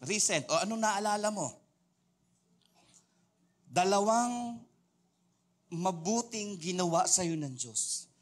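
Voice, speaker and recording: A man's voice: sits high, expressive, slow, long pauses. A man preaching a sermon as a pastor, playful and joking as he quizzes his congregation. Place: church service.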